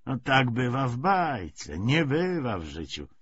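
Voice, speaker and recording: A self-assured Bolshevik commissar, acted out by a male audiobook reader, lectures with deliberate emphasis. The voice is a little husky and swings widely in pitch, at a measured pace. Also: huge pitch swings, a bit bright, dry recording, muffled recording, exaggerated voice. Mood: lecturing, emphatic. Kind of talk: audiobook character dialogue.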